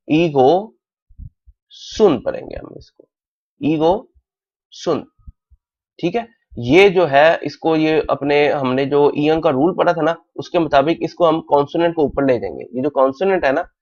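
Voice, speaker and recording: A man teaching Korean on a whiteboard, who repeats words slowly and keeps asking "thik hai". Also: fairly high pitch, a little mellow. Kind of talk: whiteboard lesson explained in Urdu/Hindi. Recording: dull lo-fi sound.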